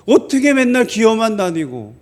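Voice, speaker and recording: A man's voice: sits high, big pitch swings, moderate pace, a little mellow. A male pastor preaching a sermon in a church, conversational and full of questions to the congregation. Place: church sanctuary.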